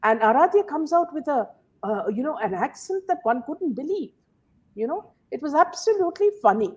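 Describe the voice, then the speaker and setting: A woman's voice: high voice, sing-song, normal speed, a little mellow, muffled recording. A woman hosting a casual commentary talk, filling her sentences with "uh" and "you know". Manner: many fillers and "you know"s. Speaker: host.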